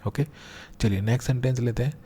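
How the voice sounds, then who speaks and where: A man teaching English grammar in a lesson, explaining patiently step by step and slowing down to read out example sentences. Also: mid-range voice, warm tone, slight background noise. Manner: patient, step-by-step, repeats key points.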